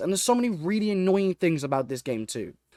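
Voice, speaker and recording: In a very clean recording with a silent background, a man talks very fast in a high pitch with lively intonation. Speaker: gaming commentator. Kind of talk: unscripted video commentary. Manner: casual, rambling.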